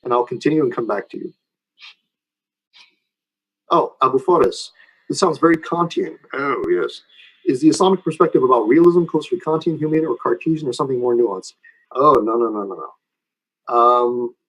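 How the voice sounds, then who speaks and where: A man's voice: mid-range voice, expressive, normal speed, long pauses, fairly bright tone, husky, highs cut off. A man lecturing informally and taking questions, explaining in a conversational way and often checking that listeners follow.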